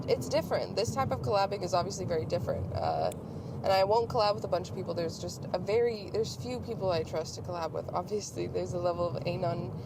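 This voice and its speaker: A young woman hosting a podcast in a casual, rambling, self-deprecating solo chat while she drives. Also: mid-range voice. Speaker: podcast host. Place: inside a moving car. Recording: clear car and road noise behind voice. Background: vehicle hum.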